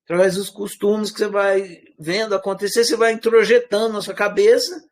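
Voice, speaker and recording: A man with a Brazilian accent that is partly from Minas Gerais and partly rural caipira, giving an informal, animated lecture full of rhetorical questions. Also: high-pitched, a little fast. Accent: Brazilian Portuguese, part Minas Gerais, part rural caipira. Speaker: teacher.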